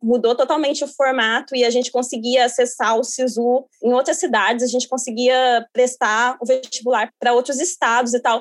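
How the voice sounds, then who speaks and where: A woman speaks at a moderate pace with hardly any pauses and a high pitch. Her intonation is fairly even and her loudness very even. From interior of São Paulo state, Brazil. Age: 20s. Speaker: QA analyst. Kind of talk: podcast interview.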